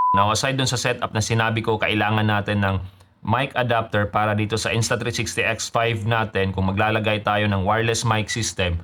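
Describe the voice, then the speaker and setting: A man's voice: medium pitch, fairly bright tone. A man with a Filipino accent explaining gear step by step in a casual, conversational vlogger style, mixing in English phrases. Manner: conversational, switches between Tagalog and English. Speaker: motovlogger and presenter.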